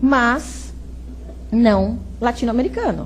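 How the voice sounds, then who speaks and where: Audible room echo hangs on this voice. The speaker is a woman. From Brazil. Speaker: lawyer. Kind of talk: talk to an audience. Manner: conversational, with repetitions.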